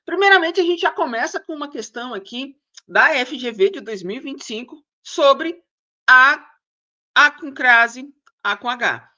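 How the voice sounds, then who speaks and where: A woman walks through practice questions in a casual, chatty way, often pausing to think out loud. Her voice is bright and forward and sits a little high. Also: lo-fi sound. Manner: chatty, thinks aloud, keeps asking "tá?". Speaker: exam prep teacher. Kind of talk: screen-share lesson.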